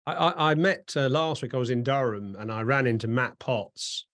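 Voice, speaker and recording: A man's voice: medium pitch, moderate pace, fairly bright tone. A man with an English accent hosting a conversational interview, asking chatty, rambling questions. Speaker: interviewer and host.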